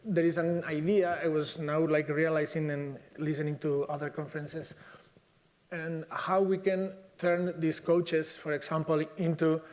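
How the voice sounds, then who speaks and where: A man's voice: on the high side, flat delivery, unhurried, a little mellow. Hesitant man. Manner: hesitant, many fillers and restarts. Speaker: symposium speaker. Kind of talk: conference talk.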